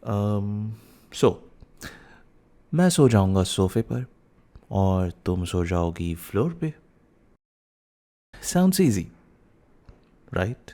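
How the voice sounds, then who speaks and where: A man's voice: fairly low pitch, expressive, very slow, long pauses, mellow, heavily acted. A young man playing a teasing, playful and cheekily bossy young husband who gets flustered, in a boyfriend ASMR roleplay, mixing in some English. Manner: teasing, repeats words, mixes in English.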